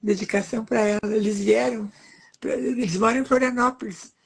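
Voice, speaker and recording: A woman's voice: on the high side, steady tone, moderate pace, creaky, poor audio. Chatty woman in her eighties. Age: 80s. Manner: warm, doting grandmother, pointing at pages with "ó". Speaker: author and guest. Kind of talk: casual interview chat, reading aloud from her books.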